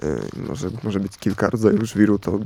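Gravelly, hesitant male radio host. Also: lowish voice, dark tone. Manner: slow, hesitant, many fillers and restarts. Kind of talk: musing radio monologue.

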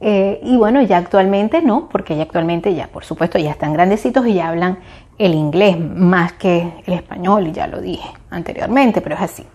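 A woman's voice: fairly low pitch, normal speed, a little mellow. A middle-aged woman from Venezuela with a Venezuelan accent, talking casually in a reflective monologue, often restarting and searching for words. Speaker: vlogger.

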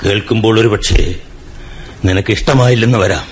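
An actor playing a dignified older father who speaks in measured, sermon-like lines about a parent's love, in a radio play. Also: lowish voice, fairly even intonation, a little hiss or hum, lightly acted. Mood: solemn. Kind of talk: 1990s-style radio drama acting. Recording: radio play with music bed.

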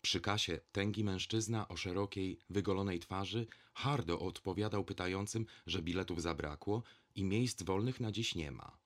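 A male narrator reads a novel aloud in a measured, deliberate way. His voice is deep and low. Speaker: audiobook narrator. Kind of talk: scripted narration.

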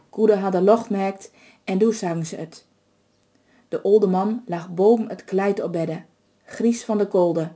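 Dark-toned woman telling a folk tale. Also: medium pitch. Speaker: storyteller. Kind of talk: reading a folk tale aloud.

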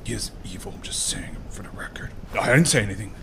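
A man's voice: fairly low pitch, lively intonation, quick pace, creaky, a bit bright, whispered. A man playing a tabletop roleplaying game, casually narrating and voicing his character with muttered, hesitant asides.

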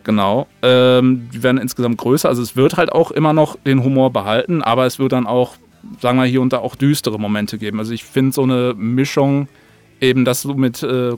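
A man's voice: mid-range voice, fairly even intonation, brisk, darkish tone, dry recording. A man talking casually as a podcast guest, explaining in a rambling, colloquial way. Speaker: guest, audio drama writer and producer. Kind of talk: casual podcast interview talk.

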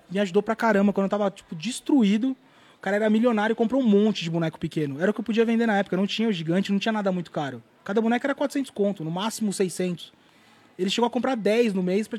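A man, an artist guest telling stories in an animated, slangy way and swearing freely. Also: high-pitched, rapid-fire. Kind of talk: casual storytelling interview.

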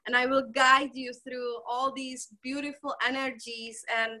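A middle-aged woman from the Czech Republic, a native Czech speaker, talking as a healer guest in halting English, effusive and laughing often. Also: sits high, fairly even intonation, sharp tone. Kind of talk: conversational interview.

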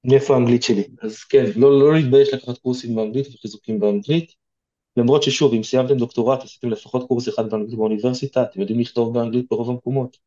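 A man's voice: medium pitch, steady tone, mellow, dull audio. A man with an Israeli accent giving informal, direct advice as an interview guest, explaining things conversationally.

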